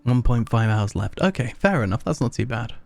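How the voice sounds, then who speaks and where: A man's voice: medium pitch, big pitch swings, fairly quick, gravelly. A man casually chatting and joking while live-streaming a game. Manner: playful, rambling, teasing chat. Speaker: gaming streamer.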